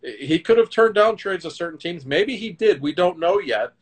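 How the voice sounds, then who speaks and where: Middle-aged guy chatting hockey, gets animated and punchy, voice jumps around a lot. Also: sits high, moderate pace, breathy edge. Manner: animated storyteller, lively emphatic swings. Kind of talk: casual hockey chat.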